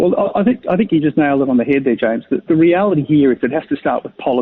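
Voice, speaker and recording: Talking at a very fast pace, a man with an Australian accent uses a fairly high pitch and lively intonation. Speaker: property developer, co-founder of later-living company. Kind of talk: radio interview. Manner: repeats words, stammers on starts.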